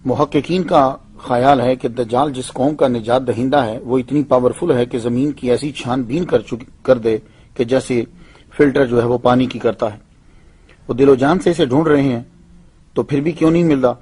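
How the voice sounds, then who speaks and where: A man who is an Islamic scholar, calling into a radio show over a phone line and giving a measured religious lecture. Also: medium pitch, steady tone, a little mellow, slightly rough. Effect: heard over a phone line into a radio show.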